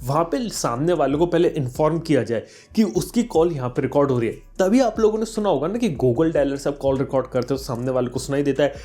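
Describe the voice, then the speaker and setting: A man's voice: on the high side, lively intonation, quick pace, hardly any pauses, warm tone, soft background music. A man explaining things conversationally as a tech vlogger, addressing viewers directly and mixing in English terms. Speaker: tech YouTuber, host. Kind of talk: explainer vlog, conversational commentary.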